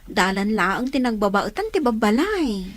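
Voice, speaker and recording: A woman's voice: a little high, very animated, unhurried. A Filipino woman playing a chatty aunt in a radio drama, explaining things matter-of-factly. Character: chatty, matter-of-fact aunt answering a child. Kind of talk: Ilocano radio drama acting.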